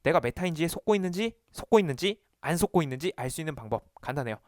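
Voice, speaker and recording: An animated man delivers a study lesson straight to the viewer, his fairly high voice bouncing up and down. He acts out quizzing himself aloud, and the sound is close and dry. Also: rapid-fire, no room sound. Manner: animated, talks to himself to demonstrate. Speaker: exam study coach. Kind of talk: lively video lesson to camera.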